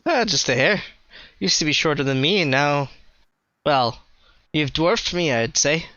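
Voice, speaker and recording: A man's voice: on the high side, expressive, measured pace, sharp tone, dry recording, dull audio. A man voicing a folksy old male dwarf king in a tabletop game, drawling and saying "eh". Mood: friendly. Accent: put-on Canadian-style dwarf voice.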